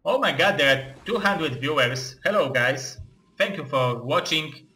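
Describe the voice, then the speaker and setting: Excitable Russian-accented game caster. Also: male voice, on the high side, rough recording. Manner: excitable, halting non-native phrasing with restarts. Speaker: esports caster and tournament host. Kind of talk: live game commentary.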